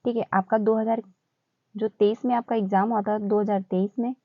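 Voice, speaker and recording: A woman explaining exam questions in a casual, chatty teaching style, repeating phrases and filling pauses as she goes. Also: medium pitch, fairly even intonation, dry recording, phone-quality sound.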